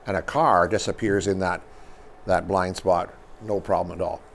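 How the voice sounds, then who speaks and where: A man's voice: deep voice, steady tone, moderate pace, vocal fry, slight background noise. An older man, co-hosting a local news show, explaining things in a folksy, step-by-step way while losing his voice. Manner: folksy, talks step by step through everyday examples. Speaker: newspaper publisher co-hosting a news talk show. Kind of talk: casual conversational explanation.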